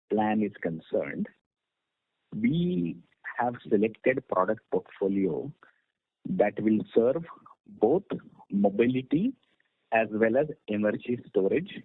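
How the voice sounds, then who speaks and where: Measured executive on a tinny phone line. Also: male voice, fairly low pitch, slightly rough. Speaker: company executive answering analysts. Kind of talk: earnings call answers.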